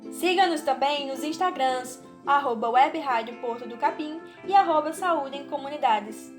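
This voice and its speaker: A woman's voice: sits high, normal speed. A Brazilian woman reading a scripted podcast as co-presenter. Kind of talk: scripted narration. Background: background music.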